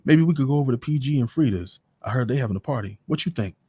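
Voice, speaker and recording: A man reading a story, voicing a smooth-talking ex-husband who casually coaxes his ex-wife to go out. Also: medium pitch, lively intonation, fast, warm tone, no echo, voice pushed up. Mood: coaxing. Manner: coaxing, casual.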